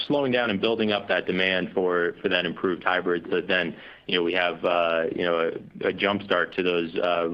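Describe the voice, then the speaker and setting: A very deep-voiced man answers questions as a company executive on an earnings call. He explains in an unscripted, businesslike way, checking in with small tags as he goes. The sound is slightly dull and lo-fi. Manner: explanatory, frequent you know and right as tags. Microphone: conference call line. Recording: dull, lo-fi conference call audio.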